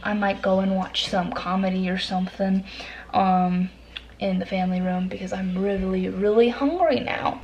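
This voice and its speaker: Speaking to camera inside her family home, a young woman vlogs casually with a chatty, self-deprecating manner and dry sarcasm. Her medium-pitched voice holds a steady tone at normal speed. The audio is dull and carries noticeable background noise.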